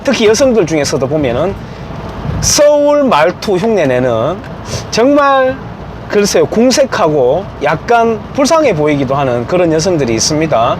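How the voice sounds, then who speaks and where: A man's voice: high voice, big pitch swings, normal speed, background noise. A man giving an informal, emphatic opinion monologue. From Gyeongju, South Korea. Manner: emphatic, acts out quoted remarks. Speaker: commentator.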